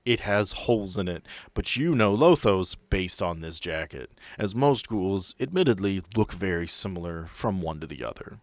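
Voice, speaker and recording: A man's voice: low voice, lively intonation, normal speed, few pauses, no room sound. A man working as game master, narrating a tabletop role-playing game in a descriptive, explanatory way with asides.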